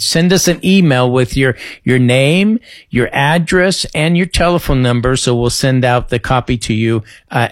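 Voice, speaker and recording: A male talk-radio host speaks in a brisk, folksy manner, giving quick agreement and reading out details for callers. The sound is dry and close, with no room around it. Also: medium pitch, dry recording. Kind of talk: call-in radio talk show.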